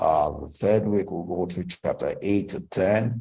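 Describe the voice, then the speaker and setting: His pitch is very deep and low, with ordinary pitch variation. The man's tone is dark and mellow. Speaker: book club host and farmer. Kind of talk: book summary talk. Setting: recorded video with slides.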